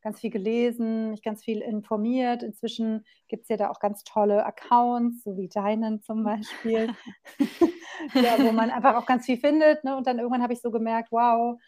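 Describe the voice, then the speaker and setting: A woman in her forties from Berlin chats openly as a podcast guest, her voice sitting a little high. She talks loosely and candidly, full of fillers and casual asides. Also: little pitch movement, moderate pace, darkish tone. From Berlin, Germany. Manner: chatty and candid, loose and colloquial with frequent fillers. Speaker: guest, occupational therapist.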